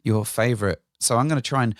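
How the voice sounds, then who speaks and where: A man's voice: medium pitch, quick pace, dry recording, clean studio sound. A man co-hosting a podcast in a casual, jokey style full of rambling asides. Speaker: podcast co-host.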